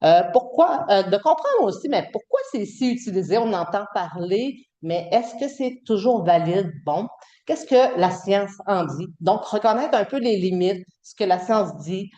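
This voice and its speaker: A middle-aged woman with a Québécois French accent teaches a university class, chatty and full of fillers and restarts. Her voice is mellow and relaxed. The room around her is echoey. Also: medium pitch, a little slow. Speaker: guest lecturer. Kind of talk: classroom lecture.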